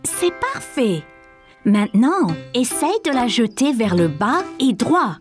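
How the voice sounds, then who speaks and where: A woman's voice: on the high side, very animated, takes it slowly, soft background music. A woman voicing an encouraging mother in a French cartoon dub, patiently teaching her child.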